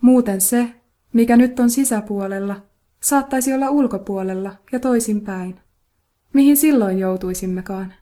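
A woman reads a Buddhist teaching in a calm, measured voice. She poses rhetorical questions as she goes. Her tone is mellow and warm at a middle pitch. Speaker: reader of a Buddhist talk. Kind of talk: scripted narration of a dharma teaching.

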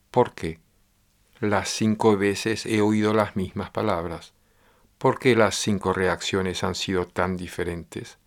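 Low gravelly man giving a meditation talk. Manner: measured, repetitive, explanatory. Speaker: meditation teacher. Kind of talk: translated meditation discourse.

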